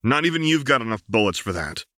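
A man's voice: medium pitch, very animated, fast, sharp tone, no echo, studio quality, voice pushed up. A man voicing a tough, desperate young woman fighter, a protective older sister, blunt and strained in an audiobook. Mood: warning. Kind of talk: audiobook character voice.

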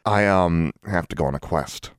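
A man's voice: sits low, moderate pace, clean tone, no echo, studio quality, close to an everyday voice. A man voicing a bold, independent young witch girl in a matter-of-fact way for a storybook. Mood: hesitant.

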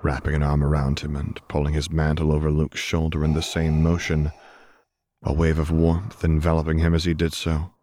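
A man's voice: rumbling low, monotone, normal speed, warm tone, no echo, clean studio sound. A man reading scripted fiction aloud as an audiobook narrator.

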